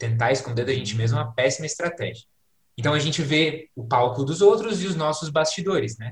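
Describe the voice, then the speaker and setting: Somewhat breathy, the man talks at a fairly quick pace with lively intonation. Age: 20s. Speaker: entrepreneur. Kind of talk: casual chat.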